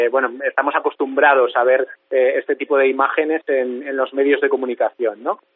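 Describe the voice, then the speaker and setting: A man with a Castilian accent speaks at a fairly quick pace. His fairly high voice stays flat and monotone. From Spain. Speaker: science news correspondent. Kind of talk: news report.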